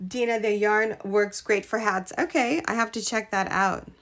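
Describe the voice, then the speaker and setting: A woman hosting a casual live crochet stream, chatting with viewers, her voice a little hoarse from a cold. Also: mid-range voice, steady tone, normal speed. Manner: chatty, greets viewers, trails off and restarts. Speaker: crochet livestream host.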